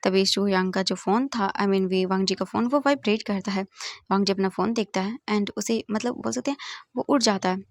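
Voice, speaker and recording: A woman's voice: mid-range voice, a little fast, dry recording, clean studio sound. A woman narrating a romance story she wrote, retelling it plainly and mixing in English words.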